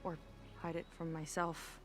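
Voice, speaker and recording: A woman playing a troubled, candid young tribal warrior in a game cutscene, speaking earnestly and haltingly. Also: deep voice, monotone, over music. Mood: sad, confessional. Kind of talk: video game cutscene acting. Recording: clear ambient game sound behind voice.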